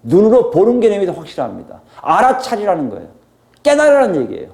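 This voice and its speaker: Middle-aged male pastor, high mellow voice, animated preaching with rhetorical questions. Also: fast talker, creaky. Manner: animated, acts out quoted scolding with sudden loud jumps. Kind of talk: expository sermon.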